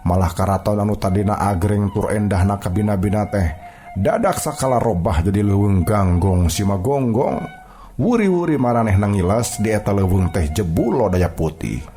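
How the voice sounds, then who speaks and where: A man's voice: low-pitched, warm tone. A man with a Sundanese accent narrating a folk historical tale as a storyteller. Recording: music bed behind the voice.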